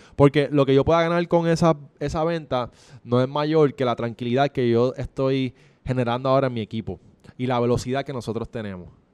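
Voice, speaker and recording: Fairly quick and medium in pitch, a man with a Puerto Rican accent talks with ordinary pitch variation in a dry, close sound with no echo. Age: 30s. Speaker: fashion designer. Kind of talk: interview.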